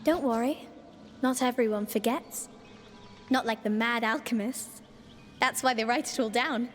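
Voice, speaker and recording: A woman acting as a mysterious girl guide in a fantasy game speaks in a high, unhurried voice. She is playful and cryptic, teasing gently, and her words ring in a long reverb over faint music. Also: a little hiss or hum, lightly acted. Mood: reassuring, teasing. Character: enigmatic playful girl guide in a cursed mythic Persia. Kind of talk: video game dialogue.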